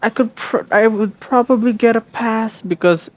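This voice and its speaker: A man's voice: high voice, normal speed, muffled recording. A young man from the Philippines whose first language is Filipino, rambling casually and hesitantly at home with many restarts and fillers. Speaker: vlogger.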